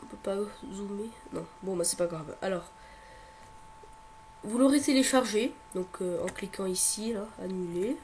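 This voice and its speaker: A man's voice: high voice, normal speed, darkish tone. A man with a head cold walks viewers through a computer tutorial. He talks hesitantly, leaning on fillers and restarting his sentences. A faint hum sits under his voice. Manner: hesitant, filler-heavy, repeats words. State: has a cold. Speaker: tutorial presenter. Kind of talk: screen-recording tech tutorial.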